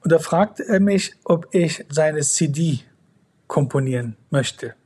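A man, talking in an unhurried, thoughtful way in an interview over a video call. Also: fairly high pitch, lively intonation, darkish tone, slightly rough. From Iran. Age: 40s. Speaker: interviewee, composer and manager. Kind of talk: casual interview talk. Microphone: online video call.

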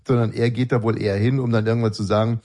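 A man's voice: mid-range voice, little pitch movement, quick pace, darkish tone. A middle-aged man co-hosting a casual political chat, speaking hesitantly with many fillers and restarts. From Berlin. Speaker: podcast co-host.

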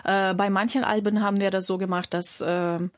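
A woman's voice: medium pitch, flat delivery, normal speed, no echo, clean studio sound. A Ukrainian woman with a Ukrainian accent, a musician being interviewed, talking thoughtfully and searching for words with many fillers. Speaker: musician guest. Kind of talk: interview conversation.

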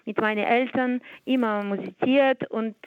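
A woman's voice: on the high side, fairly even intonation, measured pace, no room sound. A woman in her forties from Ukraine, a conductor speaking in a non-native language with a Ukrainian accent, answering hesitantly with many fillers and restarts as a guest in a phone interview. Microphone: telephone. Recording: tinny phone line, dry.

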